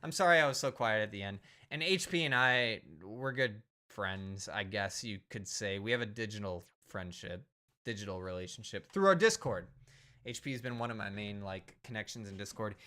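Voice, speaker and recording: A man's voice: fairly low pitch, lively intonation, normal speed, bright, forceful tone. A man in his thirties, a streamer wrapping up a live stream in rambling casual chat, a little tipsy and slurring his words. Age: 30s. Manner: rambling, self-repeating, chatty.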